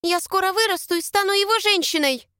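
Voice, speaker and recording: A woman voicing a stubborn, lovestruck ten-year-old girl in an audiobook, with shrill, defiant outbursts. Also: fairly quick, sharp tone, dry recording, studio quality. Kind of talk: audiobook character voice.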